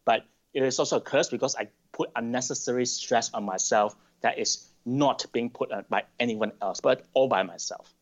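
A middle-aged man from Malaysia, answering interview questions thoughtfully, with pauses and restarts. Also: mid-range voice. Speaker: podcast guest. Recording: dull lo-fi sound.

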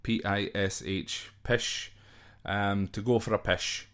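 This Scottish podcast host has a clear, resonant voice on the low side, fairly bright, steady in tone and slow. He explains slang terms from a list in an informal, off-the-cuff, hesitant way, spelling some of them out.

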